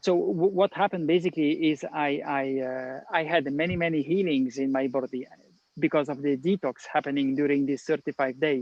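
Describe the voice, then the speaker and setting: With fairly even intonation, a man speaks at a fairly high pitch and a fairly quick pace. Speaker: pranic living teacher. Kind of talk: online talk with translation. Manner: halting.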